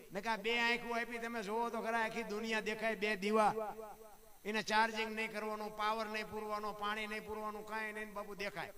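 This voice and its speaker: A man telling folk stories and giving moral talk to a live audience, animated, often calling his listeners "bapu" and posing rhetorical questions. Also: high-pitched. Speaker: dayro folk storyteller. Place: live stage event before a seated audience. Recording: live crowd audible behind voice.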